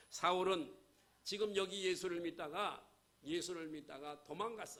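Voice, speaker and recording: A bright, sharp tone and lively intonation come through with audible room echo. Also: man. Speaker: pastor. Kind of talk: sermon. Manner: animated, repetitive preaching style.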